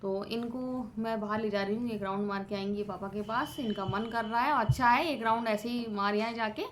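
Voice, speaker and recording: A woman's voice: mid-range voice, steady tone, brisk, a little hiss or hum. Chatty woman rambling through a home vlog. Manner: chatty, rambling with many fillers. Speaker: vlogger. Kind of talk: casual family vlog talk.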